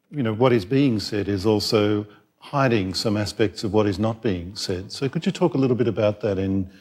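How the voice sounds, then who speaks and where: A man's voice: lowish voice, a little mellow. Hesitant Australian man moderating. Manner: hesitant, many ums and rephrasings. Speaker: professor moderating a panel. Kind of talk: moderating a panel discussion. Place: theatre stage at a public event. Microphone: microphone.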